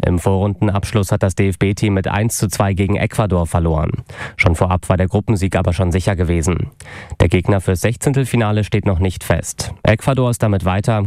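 Male newsreader, deep and warm, steady formal delivery, close dry studio sound. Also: dry recording. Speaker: news anchor. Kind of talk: radio news reading.

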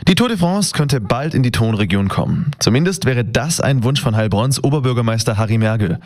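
A man delivering a regional radio news report in a brisk, clear way. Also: medium pitch, expressive.

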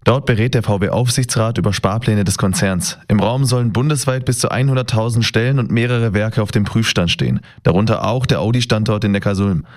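A man reading the morning radio news in a steady, formal way. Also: fairly low pitch. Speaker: news presenter.

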